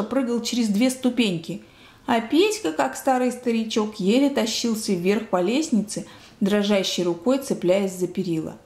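A woman reading a children's book aloud in a lively storytelling manner, in a roomy space. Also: medium pitch. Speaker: reader. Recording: roomy echo.

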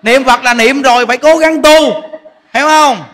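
This very high-pitched, fairly bright male voice moves at a normal speed. He's a Buddhist monk giving a folksy Dharma talk, drawing in the congregation with questions. The large temple hall carries a long reverb and faint noise.

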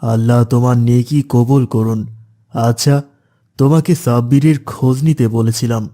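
A man voicing a calm, instructive male religious teacher in a cartoon. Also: medium pitch, normal speed, close to an everyday voice.

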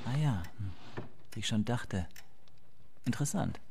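An actor playing a deferential, observant long-serving law clerk, polite and thoughtful, in a German radio play. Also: male voice, on the low side, expressive, measured pace, gravelly, a little mellow, a little hiss or hum. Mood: intrigued, careful.

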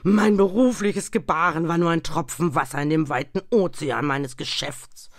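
Reader putting on a tormented old ghost man dragging chains, loud and wailing, dead dry sound. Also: mid-range voice, normal speed, dry recording, natural voice. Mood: lamenting. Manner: loud, pleading declamation with sudden whispers. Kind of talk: audiobook reading.

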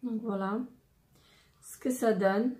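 A woman in her thirties with a slightly hoarse voice, chatting casually through a product haul with many fillers and pauses. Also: on the high side, steady tone, mellow. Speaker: beauty vlogger.

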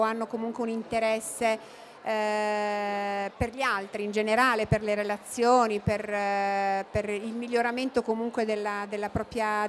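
A middle-aged woman speaks with a slightly high voice and lots of hesitant fillers. She answers interview questions into a handheld mic, with faint background noise at an expo booth. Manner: hesitant, many fillers and restarts. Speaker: interviewee, cooperative representative. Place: expo booth studio, indoors.

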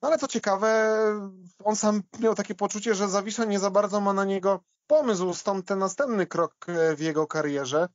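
Man, fairly high voice, hesitant unscripted sports discussion, frequent fillers, dry slightly dull recording. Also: moderate pace, no echo. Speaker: podcast panellist.

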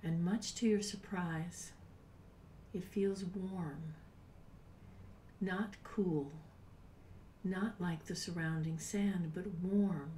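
A woman in her sixties leading a guided meditation in a soft, breathy, unhurried voice with long pauses, at times near a whisper. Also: fairly low pitch, steady tone. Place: small home room, indoors. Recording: roomy, distant mic with background noise.

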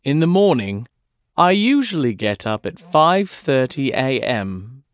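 Man, expressive pitch, slow clear lesson reading, dry close mic. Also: dry recording. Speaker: dialogue reader. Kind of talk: scripted language-lesson dialogue.

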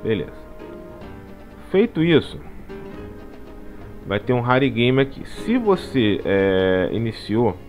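Chatty Brazilian man narrating a game. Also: low-pitched. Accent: Brazilian Portuguese. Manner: chatty, tacks on "tá?" after nearly every phrase. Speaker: gaming channel host. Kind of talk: casual gameplay walkthrough commentary. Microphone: voice-over commentary over game capture.

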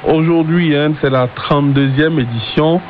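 A man's voice: a little high, normal speed, narrow, tinny audio. A man putting questions as a radio interviewer, heard over shortwave. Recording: thin, hissy shortwave radio reception.

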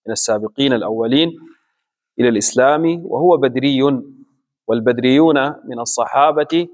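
Slow, measured male religious teacher. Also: medium pitch. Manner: slow deliberate explanation with pauses. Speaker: Islamic scholar teaching a book.

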